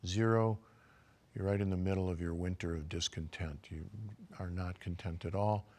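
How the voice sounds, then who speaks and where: Older man, low voice, physician lecturing, calm, measured, guiding self-assessment. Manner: calm, measured, guides listeners through self-assessment questions. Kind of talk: recorded health lecture.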